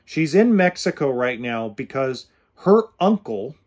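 A man in his forties hosts a podcast, speaking bluntly and earnestly straight to the camera with hand gestures, in a casual way. His medium-pitched voice is very animated, a little slow, darkish and slightly rough. He's indoors in an RV or home kitchen, close to a studio mic with a pop filter in front.

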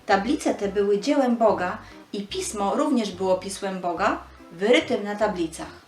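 A woman narrates a scripted Bible passage for children in a medium-pitched voice. The recording is noticeably roomy and echoing, with faint music behind it. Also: moderate pace, darkish tone. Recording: roomy echo.

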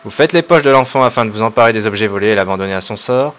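A man with a fairly low voice gives casual let's play commentary. He reads the game's choices aloud, then hesitates and pauses over his own choices, dropping in little jokes. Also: a bit bright, slight background noise. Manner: reads on-screen options aloud, hesitant with many fillers, joking asides.

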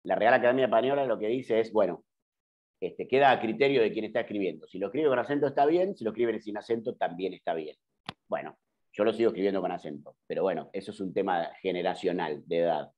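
A man's voice: lowish voice, expressive, fast, darkish tone. A middle-aged man with an Argentine Spanish accent, teaching an online journalism class, explaining patiently with frequent "eh" fillers and self-corrections. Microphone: computer mic on video call. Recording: dull lo-fi video call audio.

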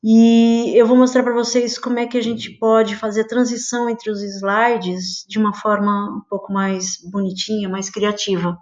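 A middle-aged woman walks through a screen-share lesson in a loose, chatty way, filling pauses with little asides. Her voice sits at an ordinary pitch for a woman. The webcam audio sounds a bit dull and lo-fi. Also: flat delivery, darkish tone. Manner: chatty, many fillers and pet phrases. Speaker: design instructor. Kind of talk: casual screen-share tutorial. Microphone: webcam video call.

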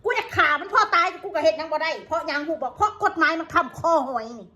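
A woman with an Isan accent and a high voice vents at her viewers. She talks in a coarse, combative way and curses freely. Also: fast, bright, forceful tone. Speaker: vlogger. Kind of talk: angry rant to viewers.

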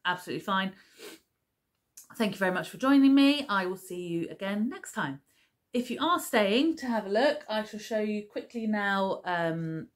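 A woman's voice: lowish voice, a bit bright. A woman in her thirties chatting casually to camera as a crafting vlogger, rambling with lots of ums and restarts, recorded on a camera at table distance in her living room. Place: living room at home, seated on a sofa.

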